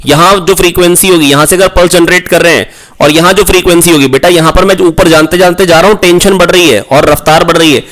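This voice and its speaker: Male physics tutor, somewhat high voice, repetitive and coaxing, full of questions to the class. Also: fast talker, fairly bright tone. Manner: coaxing, repeats key points, calls students "beta"; asks rhetorical questions, prompts answers. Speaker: physics teacher. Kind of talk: online exam-prep lecture.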